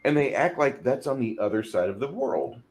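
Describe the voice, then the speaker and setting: A man's voice: mid-range voice, expressive, a little fast, a little mellow. A man from Illinois talking casually on a tabletop gaming podcast, rambling and conversational. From Illinois, USA. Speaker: podcast co-host.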